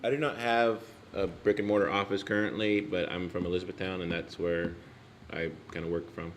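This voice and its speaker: A man's voice: low-pitched, little pitch movement, a little fast, slight background noise. A man introducing himself at a public meeting as a field representative, polite and informal, a little unprepared.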